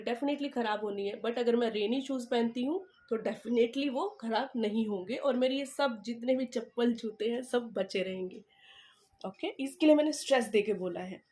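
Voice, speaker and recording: A woman's voice: a little high, a little mellow. A woman with an Indian accent teaching English in Hindi, explaining with repetition and checking in with "okay?". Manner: slow, stressed dictation when reading English sentences. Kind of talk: Hindi-English language lesson.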